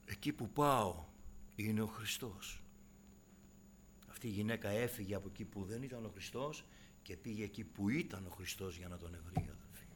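A man preaching a sermon to his congregation, dropping to hushed asides and then rising into loud, impassioned exhortation. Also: fairly low pitch, slight background noise. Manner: keeps addressing listeners as brothers and sisters.

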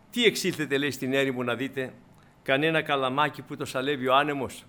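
A man delivering a sermon with a bright, forceful tone and a somewhat high voice. His preaching is expressive, climbing to emphatic peaks before dropping back down.

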